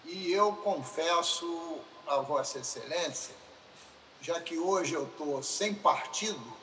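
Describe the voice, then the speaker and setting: Brazilian man, state deputy, formal floor speech, slow measured delivery, echoing assembly hall. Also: a little high, pushed and bright. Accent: Brazilian Portuguese. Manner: slow, deliberate, addresses a colleague formally. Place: legislative assembly chamber. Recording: roomy chamber sound with faint hiss.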